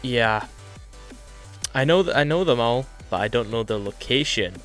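A man's voice: medium pitch, expressive, normal speed, fairly bright tone, soft background music. A young man casually commentating a strategy game, rambling and correcting himself, his nose a little blocked. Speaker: let's play host.

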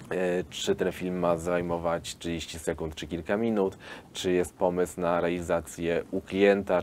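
A man in his thirties with a fairly low voice lays out his company's plans in a seated studio interview. He talks at length, explaining steadily but filling gaps with ums and restarts. A faint hiss sits under the recording. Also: a little mellow. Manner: explanatory, hesitant with frequent fillers. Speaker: film studio founder pitching investors. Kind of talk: business interview. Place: film studio hall.

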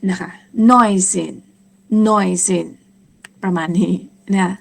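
Woman teaching very slowly, repeating words. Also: fairly low pitch, gravelly. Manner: slow, patient, repeats each word several times. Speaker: language teacher. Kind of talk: teaching German numbers in Thai.

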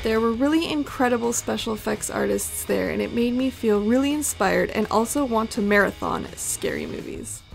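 A woman vlogger narrates over her footage in a chatty, playful way. Her voice sits a little high and has a gravelly fry to it. Soft music plays underneath. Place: home voice-over recording.

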